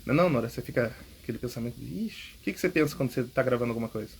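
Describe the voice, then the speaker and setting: A man's voice: medium pitch, lively intonation, very fast, gravelly, slight background noise. A man hosting a public speaking podcast, coaching casually and emphatically, often checking in with "ok?". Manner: emphatic, repeats key points, frequent "ok?" checks. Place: home recording.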